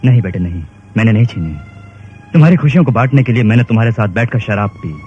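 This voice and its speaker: A man playing a grieving elderly father in a dubbed film, gently pleading with his family. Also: mid-range voice, animated, fast, faint music behind, close to an everyday voice. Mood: earnest. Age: older. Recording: dull film dub with background score.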